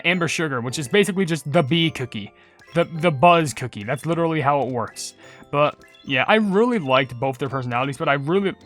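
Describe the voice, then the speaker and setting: A video creator with a mid-pitched voice hosting casual gaming commentary, rambling and often correcting themselves mid-sentence. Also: fairly bright tone. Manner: rambling, filler-heavy, trailing off and correcting self. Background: music.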